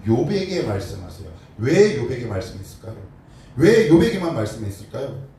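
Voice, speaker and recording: A male pastor preaching a sermon, asking his congregation rhetorical questions and swinging between loud and soft. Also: mid-range voice, sing-song, fairly quick. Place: church sanctuary. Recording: very echoey hall, distant mic, faint noise.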